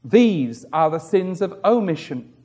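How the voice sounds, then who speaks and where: Storytelling from the pulpit, a middle-aged pastor performs the voices of his characters with big pitch swings. His voice is husky and a little mellow, his pace a touch slow, and the sound carries the feel of a big room.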